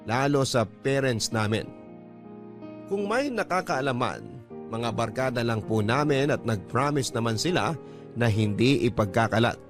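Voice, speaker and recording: Medium-pitched man narrating over clear music. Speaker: radio drama host reading a letter. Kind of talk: scripted first-person story narration.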